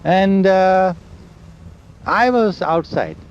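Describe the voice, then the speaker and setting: An older man, slowly recalling old memories in an oral history interview, with a loud voice. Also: high voice. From India. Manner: slow, halting storytelling of memories. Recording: dull lo-fi recording with faint hiss and vehicle sounds.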